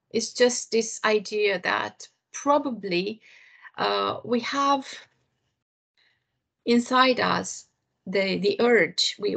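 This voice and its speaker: A woman's voice: medium pitch, gravelly. A woman with a Romanian accent giving an online lecture to colleagues, hesitant, with many fillers and restarts, over a video call.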